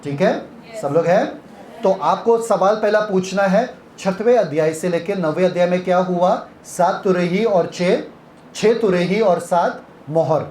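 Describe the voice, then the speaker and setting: A man's voice: fairly high pitch, a little mellow. A man leading a Bible retreat session, teaching interactively and quizzing listeners with repeated questions. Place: retreat hall. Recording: echoey hall.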